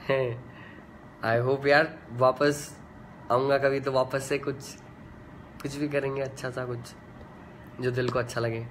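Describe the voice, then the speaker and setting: A young man, a singer, chatting casually in a fan live chat, reading out comments in a relaxed way with many fillers. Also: mid-range voice, slow, long pauses, a little hiss or hum. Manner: laid-back and chatty, full of "yaar" and "matlab" fillers.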